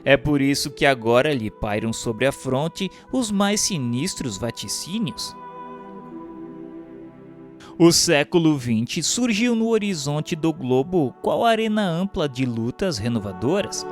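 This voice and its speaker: Solemn Brazilian male narrator over music. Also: a little high. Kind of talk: solemn scripted narration of a religious text.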